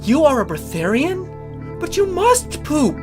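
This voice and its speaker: A narrator voicing an excitable female cartoon pony in a storybook reading. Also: sits high, unhurried, music in the background, pitched above the performer's own voice, full character voice. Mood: shocked.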